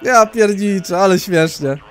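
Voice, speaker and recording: A man from Poland hosting a let's play, rambling excitably and swearing casually as he plays. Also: high-pitched, unhurried.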